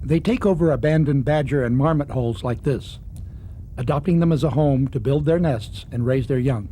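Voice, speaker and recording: A man's voice: mid-range voice, moderate pace, dark tone, a little hiss or hum. A man reading scripted narration for a nature documentary, with outdoor ambience behind him.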